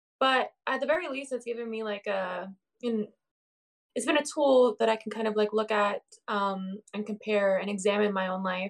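In a Canadian accent, a woman with a fairly high pitch speaks at a moderate pace with ordinary pitch variation in an unremarkable speaking voice. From Canada. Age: 20s. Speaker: podcast guest. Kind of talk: casual chat.

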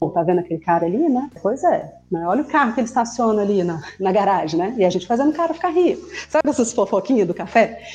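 A somewhat breathy, fairly high-pitched woman's voice with a dark, mellow tone, very fast pace, very wide pitch swings and hardly any pauses. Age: 30s. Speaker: Enneagram personality consultant. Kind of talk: interview.

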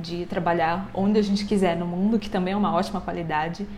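A woman speaks against noticeable background noise and audible room echo. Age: 20s. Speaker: entrepreneur and content creator. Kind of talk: casual interview chat.

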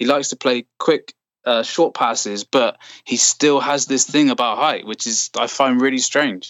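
This man has a normal speaking voice with medium pitch. He talks at a moderate pace with fairly even intonation. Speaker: football commentator guest. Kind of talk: casual interview.

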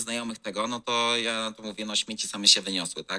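In a bright, sharp tone, a man rattles off his words very fast. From southern Poland, near Kraków. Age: 20s. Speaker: TikTok creator and makeup artist. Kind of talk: casual interview.

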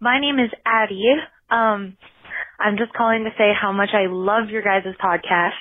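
A woman speaks at a fairly slow pace in an ordinary speaking voice. Her pitch sits fairly high. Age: young. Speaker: listener leaving a voicemail. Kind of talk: voicemail message. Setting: phone voicemail.

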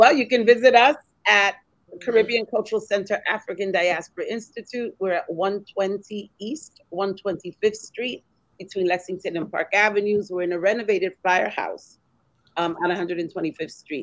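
A woman speaks in a normal speaking voice at a medium pitch and moderate pace with ordinary pitch variation. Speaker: cultural center executive director. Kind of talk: panel discussion on radio.

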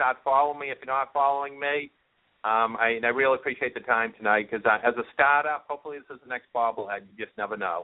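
A very fast-talking man with an American accent, medium pitch and ordinary pitch variation. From Boston. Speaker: bat maker, runner. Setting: phone call.

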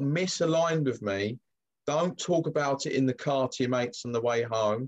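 A man with a London accent speaks at a fairly high pitch. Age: 40s. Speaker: football coach and school trainer. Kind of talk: interview.

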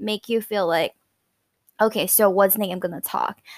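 Recorded very cleanly against a silent background, a woman with a Thai accent speaks at a fairly high pitch, the sound dry and close with no echo. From Thailand. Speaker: podcast host. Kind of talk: casual monologue. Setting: home recording. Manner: halting.

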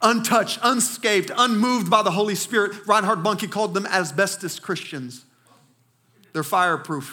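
With a raised, projected voice, a man speaks at a moderate pace in a high pitch, his tone bright, sharp and animated, his pitch variation ordinary. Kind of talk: sermon. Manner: animated, call-and-response, urging the congregation to repeat lines; earnest, conversational and warm.

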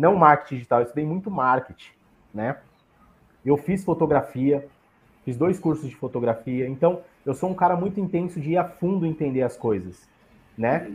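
Somewhat breathy, a man speaks with a fairly high pitch and lively intonation. His speech has long, frequent pauses. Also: moderate pace. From São Paulo, Brazil (Itaquera, east side). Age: 30s. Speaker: real estate agency owner. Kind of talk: casual interview.

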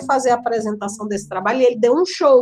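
Here a woman speaks in a Ceará accent. Her pitch is high. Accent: Brazilian northeastern (Ceará) Portuguese. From Ceará, Brazil (Maracanaú, near Fortaleza). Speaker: teacher and tabletop RPG YouTuber. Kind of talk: podcast interview. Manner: hesitant, frequent fillers.

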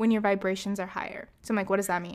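A woman with a medium-pitched voice speaks in an animated tone on a very clean recording with a silent background. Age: 20s. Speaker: podcast host. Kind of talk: casual chat.

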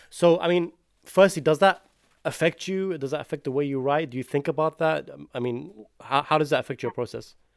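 A man talks with a normal speaking voice, fairly high in pitch and with ordinary pitch variation. The sound is dry and close, with no echo. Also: fairly quick pace. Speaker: podcast host. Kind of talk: interview intro and conversation.

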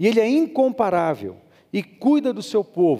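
Pitch swings very widely as a man talks in a dark, mellow tone. The pace is moderate. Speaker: preacher. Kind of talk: sermon. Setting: church. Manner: preaching cadence, emphatic, repeating key phrases with 'Amém?'.

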